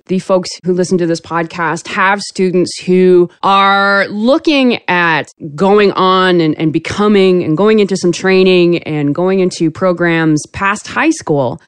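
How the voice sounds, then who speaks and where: A woman's voice: fairly low pitch, a little slow, hardly any pauses, smooth, no echo. A woman hosting an interview podcast, asking upbeat, chatty questions while sniffling with a cold. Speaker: podcast host.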